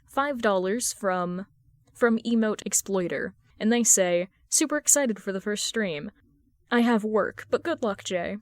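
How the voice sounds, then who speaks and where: A woman's voice: medium pitch, unhurried, dry recording, clean studio sound, close to an everyday voice. Woman reading as wry, teasing young male friend. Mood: announcing. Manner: casual, sarcastic.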